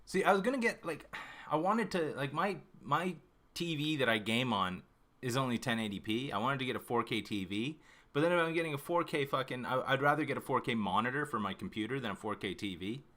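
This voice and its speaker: A man of fifty from Canada talks loosely with his stream chat, rambling and restarting his sentences. He swears in nearly every line. His voice is bright and forward, at an ordinary pitch for a man. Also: a little fast. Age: 50s. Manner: swears constantly, rambling and self-interrupting. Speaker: livestream host. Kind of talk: casual chat with viewers.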